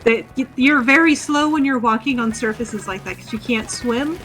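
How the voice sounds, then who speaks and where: The audio is poor, with soft background music under a woman's somewhat high, slightly bright voice at a moderate pace. She is an experienced gamer on a casual stream, patiently coaching a newcomer, offering instructions and laughing often.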